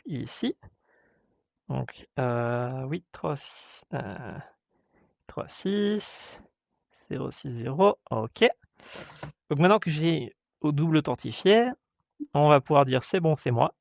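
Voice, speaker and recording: A man hosting a tech tutorial, talking step by step with many hesitations and playfully voicing what the software asks him. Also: fairly high pitch, lively intonation, slow, gravelly, long pauses, no echo, studio quality. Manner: hesitant, many "euh" fillers, reads out codes step by step; voices the software in playful mock dialogue. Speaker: tutorial host. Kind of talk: screen-recorded tech tutorial.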